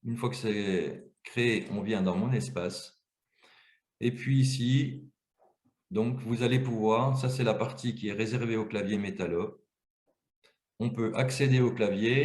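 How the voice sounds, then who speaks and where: In an echoey, roomy webinar recording, a man with a fairly low, darkish voice demonstrates software. He explains the app step by step, guiding listeners through each screen.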